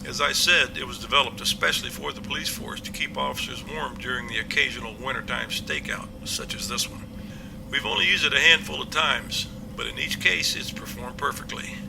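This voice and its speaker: A man playing a confident police captain in an amateur audio drama, explaining things in a measured, matter-of-fact way. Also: medium pitch, gravelly, background noise, natural voice. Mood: reassuring.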